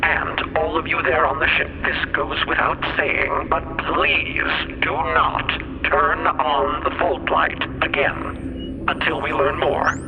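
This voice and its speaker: Over a muffled, crackling radio link comes a fussy scientist, formal and verbose. His voice is heavily creaky and stays very even, with pompous, long-winded phrasing. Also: fairly high pitch, slow pace. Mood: brisk, cautioning. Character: fussy, wordy male scientist calling in by radio. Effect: crackling long-range radio filter. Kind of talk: audio drama acting. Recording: muffled, noisy radio transmission.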